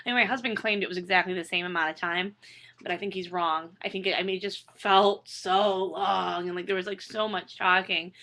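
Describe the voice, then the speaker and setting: Chatty hoarse woman in her thirties, bright tone, casual rambling asides. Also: mid-range voice, steady tone, a little fast. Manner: self-deprecating, chatty, lots of fillers and restarts. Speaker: author reading her book.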